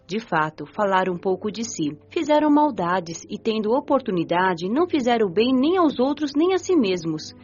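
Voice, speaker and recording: A Brazilian woman playing an earnest, compassionate young spirit who narrates her afterlife in a measured way for a radio novel. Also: on the high side, darkish tone, husky. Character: nineteen-year-old female spirit recalling her afterlife, earnest and compassionate. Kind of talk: scripted first-person audiobook narration, radio novel. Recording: dull lo-fi audio with music. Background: music.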